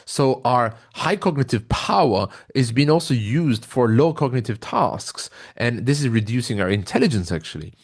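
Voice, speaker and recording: A man's voice: medium pitch, lively intonation, normal speed, few pauses, husky. A man speaking as an interview guest, explaining his ideas and stories earnestly and often checking in with a short tag question. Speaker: interview guest, tech company founder. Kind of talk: conversational interview, explaining and storytelling.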